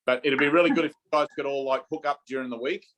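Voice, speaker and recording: A man gives a relaxed spiritual talk over a video call, his voice pitched in an ordinary middle range. He talks informally and keeps checking in with his listeners. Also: quick pace, low-quality recording. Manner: informal, repeats "okay?" and "right?" to check in. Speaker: spiritual teacher leading a satsang.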